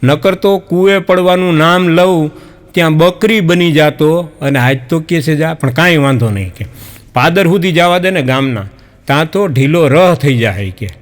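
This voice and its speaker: A man telling folk jokes on stage, acting out the characters in animated storytelling. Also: fairly high pitch, a little slow. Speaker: comedian storyteller.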